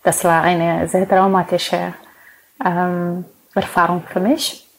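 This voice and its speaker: A woman's voice: on the low side, level tone, takes it slowly, vocal fry, poor audio. A woman from Ukraine, speaking earnestly and with some hesitation in a conversational interview. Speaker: guest. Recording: faint background noise.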